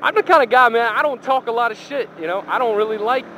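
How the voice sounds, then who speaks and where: A man's voice: extremely high pitch, quick pace, sharp tone. A man telling a casual, rambling, profane story in colloquial speech, talking inside a helmet while riding a motorcycle. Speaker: motorcycle vlogger. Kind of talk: casual first-person storytelling. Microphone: helmet microphone. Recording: engine and road noise, helmet mic. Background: motorcycle and traffic noise.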